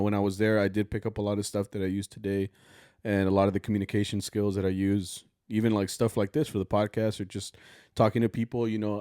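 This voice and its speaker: A man's voice: lowish voice, dark tone, clear, resonant tone, no echo, studio quality. A young man co-hosting a podcast, chatting easygoing and talkative, rambling with fillers. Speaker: podcast co-host. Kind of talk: casual podcast chat.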